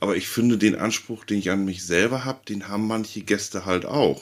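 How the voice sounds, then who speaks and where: A man with a normal speaking voice, fairly low in pitch, at a moderate pace, in a very clean recording with a silent background. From northern Germany, Lübeck area. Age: 30s. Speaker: DJ. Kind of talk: casual chat.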